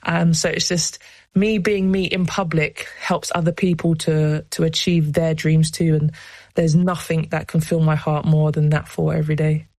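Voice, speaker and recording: A woman's voice: low-pitched, flat delivery, moderate pace, a little mellow, dry recording. Candid South London woman, reflective. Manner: reflective, heartfelt, peppered with "like". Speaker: guest, former rugby player. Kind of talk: candid interview answers.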